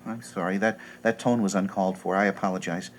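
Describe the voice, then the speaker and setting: A man's voice: low voice, fairly even intonation, quick pace, slight background noise, lightly acted. An actor playing a fussy, formal young man who speaks in precise, fretful sentences about being hurt in love.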